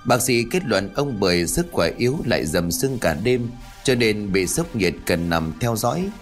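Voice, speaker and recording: A man tells a scripted story with a dramatic delivery. His low voice swings up and down as he narrates. Faint music plays underneath. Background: faint background music.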